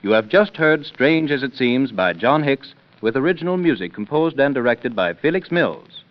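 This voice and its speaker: A man's voice: medium pitch, big pitch swings, moderate pace, background noise. A male radio announcer reading a scripted advertisement persuasively. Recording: dull old radio recording with music.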